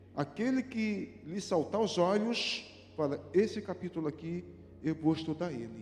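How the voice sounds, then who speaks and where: A man's voice with very wide pitch swings. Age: 60s. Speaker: pastor. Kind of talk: sermon.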